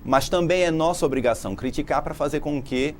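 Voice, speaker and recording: A man's voice: fairly high pitch, a little fast, slight background noise. A man from Brazil in his thirties, a political scientist, explaining his ideas at length as a TV interview guest. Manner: articulate, explanatory, laughs easily.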